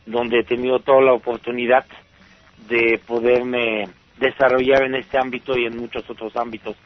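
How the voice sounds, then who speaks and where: A man's voice: medium pitch, flat delivery. A man in his sixties, originally from Bulgaria, answers interview questions at length. He meanders with fillers and repeats himself as he gathers his thoughts. The recording sounds dull and lo-fi. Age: 60s. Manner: unhurried, rambling with fillers and restarts. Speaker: interview guest. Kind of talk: relaxed storytelling interview.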